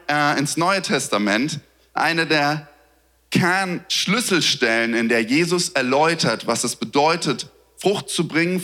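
Pastor guy preaching, bright forceful voice, chatty, long echo from the hall. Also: on the high side. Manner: lively, conversational, asks the audience. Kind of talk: sermon. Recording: reverberant hall.

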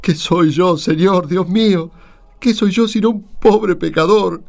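A man's voice: high-pitched, unhurried, creaky, darkish tone. An Argentine man playing a humble, repentant tax collector who pleads contritely with God in a radio drama. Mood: remorseful. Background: music.

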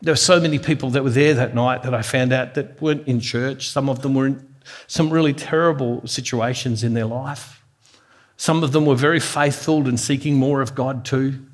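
A man's voice: mid-range voice, fairly even intonation, moderate pace. A middle-aged man giving an earnest devotional sermon as a Catholic preacher. He tells a personal story and often repeats words as he builds a point.

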